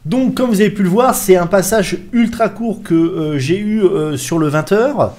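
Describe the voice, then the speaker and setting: A man's voice: sits high, moderate pace, darkish tone, slight background noise. A man talking casually to his camera, rambling with many fillers and restarts as he recounts a story. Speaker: YouTuber recounting a TV interview.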